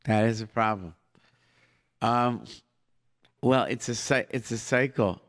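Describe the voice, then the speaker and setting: A man's voice: medium pitch, takes it slowly. Middle-aged man hosting a call-in show. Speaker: radio call-in show host and advice giver. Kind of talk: conversational live call-in advice.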